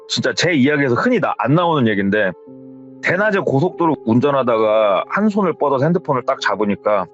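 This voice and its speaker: A man hosting a horror story channel, retelling a listener's account in a conversational storytelling manner. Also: medium pitch. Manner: retelling with hearsay, lively delivery. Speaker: horror story radio host. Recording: slightly dull with faint music.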